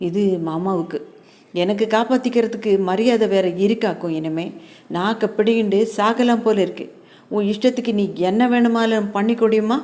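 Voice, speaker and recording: A woman's voice: mid-range voice, mellow, natural voice. A woman voicing an angry, aggrieved older mother who scolds and pities herself in a long tirade. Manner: scolding, self-pitying tirade.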